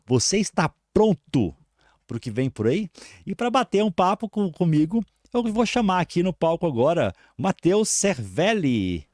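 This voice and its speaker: A man's voice: sits high, sing-song, measured pace, darkish tone, no echo. Brazilian man hosting, close dry sound. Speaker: host of a live online show. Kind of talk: live webinar hosting, announcements and introductions.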